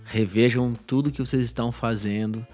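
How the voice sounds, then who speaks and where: A man's voice: mid-range voice, steady tone, moderate pace, a little mellow, soft background music. A man hosting a casual podcast interview, mostly giving short affirming replies. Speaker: podcast host.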